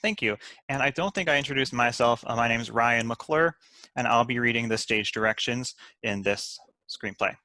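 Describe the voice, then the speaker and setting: A man narrates the stage directions of a screenplay at a table read. His voice is bright and mid-pitched, recorded close and dry. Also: moderate pace, no room sound. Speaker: writer reading stage directions.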